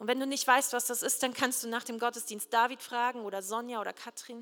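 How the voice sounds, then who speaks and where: A woman's high voice at a fairly quick pace, in monotone, flat intonation. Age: 30s. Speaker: pastor. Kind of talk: sermon.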